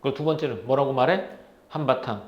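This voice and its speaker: In a slightly dull, roomy recording, a male literature teacher lectures in a fairly quick, expressive voice that runs high. He shoots questions at the class and answers each one himself.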